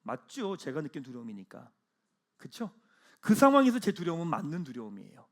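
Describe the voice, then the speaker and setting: Guy pastor preaching sunday service, high lively voice, goes big then drops real quiet. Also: brisk. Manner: swings from loud proclamation to hushed, low asides. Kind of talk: sermon. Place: church sanctuary.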